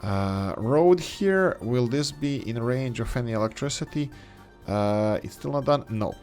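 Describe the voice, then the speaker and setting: A man hosting a gameplay video who thinks aloud as he plays, speaking English as his third language and often pausing with fillers and restarts. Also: medium pitch, animated, a little mellow, faint music behind. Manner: hesitant, many fillers and restarts. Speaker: game let's-play host.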